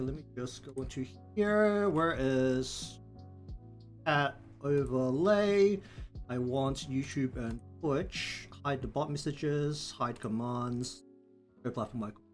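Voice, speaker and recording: A man with a broad New Zealand accent chatting casually on a livestream, rambling and thinking aloud as he works. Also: medium pitch. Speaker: live streamer. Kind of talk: casual livestream chat while working. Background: background music.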